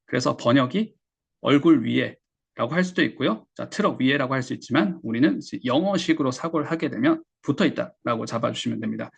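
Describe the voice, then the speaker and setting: Korean guy teaching english, gravelly husky voice, patient, repeats words slow. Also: medium pitch, expressive. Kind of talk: explaining lesson.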